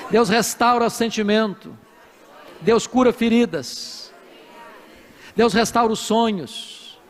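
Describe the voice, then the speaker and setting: Brazilian man, pastor, very high voice, preaching in a reverberant hall with a faint congregation; lively, humorous storyteller. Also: slight background noise. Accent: Brazilian Portuguese. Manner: animated, humorous storytelling with acted quotes. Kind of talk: sermon. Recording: live hall with long reverb.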